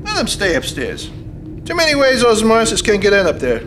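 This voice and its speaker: Male actor as bullying, cowardly husband, agitated and insistent; extremely high, swooping voice. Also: wildly swooping pitch, a little fast, fairly bright tone, slight background noise, heavily acted. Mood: stubborn, defiant. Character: cowardly, stubborn, bullying middle-aged husband. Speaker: actor in a staged radio play. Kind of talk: radio play acting. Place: theater stage. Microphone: stand microphone. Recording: music behind, live stage.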